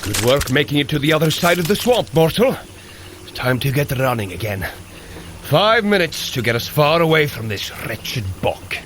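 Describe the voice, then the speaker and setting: An actor playing a hearty, commanding Norse thunder god in an audio adventure drama, declaiming in old-fashioned heroic speech. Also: male voice, a little high, very animated, normal speed, fairly bright tone, a little hiss or hum. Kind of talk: audio adventure drama acting for a fitness running app.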